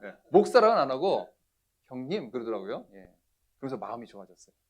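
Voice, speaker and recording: Animated storytelling male pastor. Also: mid-range voice, fast talker. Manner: storytelling with acted-out dialogue, frequent "예" affirmations. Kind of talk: sermon.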